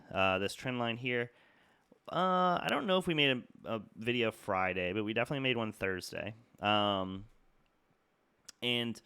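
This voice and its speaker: A man's voice: lowish voice, sharp tone, clean tone, dry recording. Congested young man talking stock charts. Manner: casual, rambling, many fillers and restarts. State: congested, nasal from a cold. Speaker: market analysis YouTuber. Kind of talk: casual trading chart talk.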